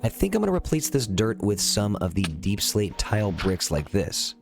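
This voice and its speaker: Low-voiced man calmly narrating gameplay. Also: moderate pace, gravelly. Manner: relaxed, easygoing, thinks aloud while building. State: slightly raspy from recent illness. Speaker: Minecraft let's play host. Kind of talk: calm narrated gameplay commentary.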